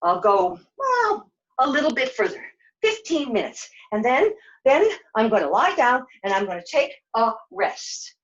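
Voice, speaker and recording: A woman's voice: on the high side, very animated, measured pace, a bit bright. A woman voicing a weary, scatterbrained heroine of a fairy-tale quest, dramatic and exclamatory as she talks to herself. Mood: weary, muddled. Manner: dramatic, self-talking, exclamatory. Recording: dull lo-fi sound.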